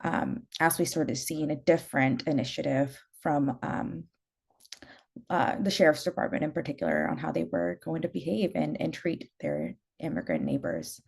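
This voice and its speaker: Low, gravelly woman from El Salvador. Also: expressive, normal speed, a little mellow. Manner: thoughtful, hesitant with frequent fillers. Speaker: panelist, community organizer. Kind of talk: panel discussion.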